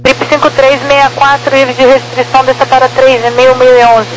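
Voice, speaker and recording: A woman's voice: sits high, little pitch movement, moderate pace, over loud music. A woman with a Brazilian accent giving clipped air traffic control instructions over a walkie-talkie style radio. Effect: over walkie-talkie style aviation radio. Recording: noisy humming aviation radio.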